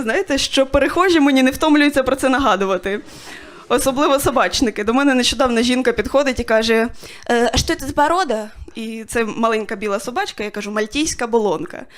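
High-voiced woman doing stand-up. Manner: dry storytelling with quick voiced asides. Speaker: stand-up comedian. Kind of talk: stand-up comedy set. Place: stage of a small comedy club.

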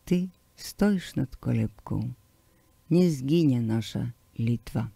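A man reciting translated poems in a slow, declamatory way, pressing hard on key words. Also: mid-range voice, lively intonation, creaky, warm tone, breathy edge, no room sound. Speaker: poetry reader. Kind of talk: poetry recitation.

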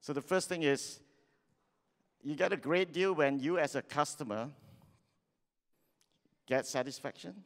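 A man's voice: a little high, measured pace, long pauses. A middle-aged man from Singapore with a Singaporean English accent, giving a chatty seminar talk on stage into a handheld mic and asking the audience questions. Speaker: seminar speaker. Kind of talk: lively sales seminar talk. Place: large hall on stage. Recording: long hall reverb.

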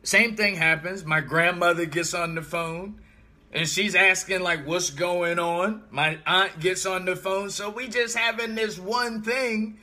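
High-pitched, bright-voiced American man. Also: unhurried. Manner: animated storytelling, repeats himself for emphasis. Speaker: vlogger. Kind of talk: casual livestream chat, thinking out loud. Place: small room indoors.

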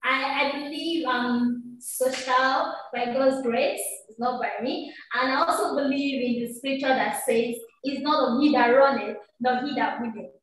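A woman's voice: sits high, fairly even intonation, unhurried, hardly any pauses. A young woman with a Nigerian accent giving a formal, rehearsed presentation over a video call from an echoey room. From Cross River State, Nigeria. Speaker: contestant. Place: small hard-walled indoor room. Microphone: webcam microphone from a distance. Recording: echoey room, distant mic, background noise.

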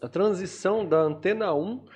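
A man with a Belém Paraense accent hosting a podcast, chiming in with quick remarks and agreeing asides in a small studio. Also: high-pitched, darkish tone, husky. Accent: Belém Paraense Portuguese. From Brazil. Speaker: podcast host. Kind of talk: casual chat.

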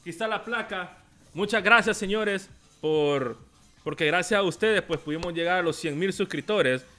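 A man's voice: high-pitched, moderate pace, bright, forceful tone, soft background music. Upbeat Salvadoran man reading live chat. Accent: Salvadoran Spanish. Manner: casual, reads chat messages aloud, laughs often. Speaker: tech YouTuber. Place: small room indoors.

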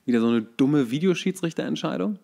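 A man's voice: on the high side, expressive, quick pace, vocal fry, warm tone. A man co-hosting a casual football chat, explaining his views and thinking aloud as he goes. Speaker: podcast co-host.

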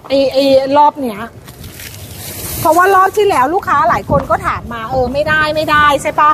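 A woman live-selling clothes in a casual, hyped sales pitch, insistently repeating phrases for emphasis. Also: lively intonation, normal speed, background noise. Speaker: live-stream clothing seller. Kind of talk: fast hype live-sale pitch, casual. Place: shop front, camera moved toward outside.

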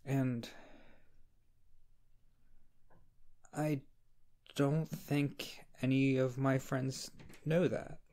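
A man playing a needy, flustered young friend in an intimate ASMR roleplay, speaking softly and hesitantly in a creaky voice. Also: mid-range voice, little pitch movement, lightly acted. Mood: vulnerable, confiding. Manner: hesitant, slow, halting, sheepish. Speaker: roleplay audio creator playing a character. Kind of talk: wholesome ASMR roleplay acting, intimate one-sided dialogue.

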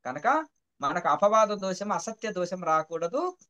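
A high-voiced man teaches patiently, telling a parable and asking again and again whether his listener follows. His voice is smooth and resonant. The recording sounds a little dull and lo-fi. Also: big pitch swings, a little slow, sharp tone. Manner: patient, explains by repeating phrases and checking understanding. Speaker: spiritual teacher.

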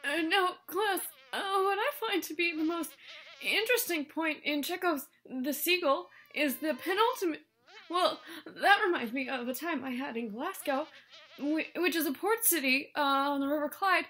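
A woman's voice: high-pitched, animated, moderate pace, bright, forceful tone, poor audio. A woman playing a pretentious, easily sidetracked professor, rambling pompously in a comedy sketch. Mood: absent-minded. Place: small room indoors.

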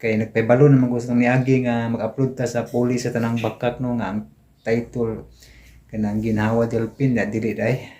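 A man's voice: medium pitch, little pitch movement, normal speed, warm tone. A man with a Cebuano accent hosting a casual vlog, chatting to listeners and often tagging his phrases with a short question. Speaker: vlog host introducing radio dramas.

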